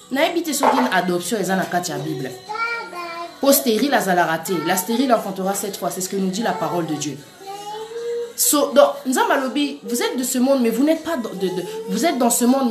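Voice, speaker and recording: A woman giving an earnest, urgent preaching-style talk, speaking straight to her listeners as sisters and brothers. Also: a little high. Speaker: Christian speaker. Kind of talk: exhortative preaching-style monologue. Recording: echoey room with faint music. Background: faint background music.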